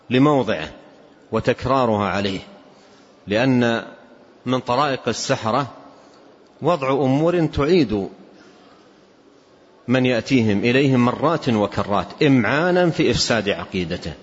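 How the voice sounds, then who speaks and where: A man giving a religious lesson as a scholar commenting on a classical text, speaking deliberately and repeating key phrases for emphasis. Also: medium pitch. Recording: dull lo-fi recording.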